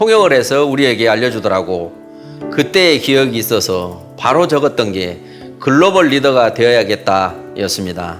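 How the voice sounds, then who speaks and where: With music in the background, a man with a Jeolla accent talks at a medium pitch and a moderate pace, his pitch swinging very widely. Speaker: network marketing business leader. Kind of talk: interview answer.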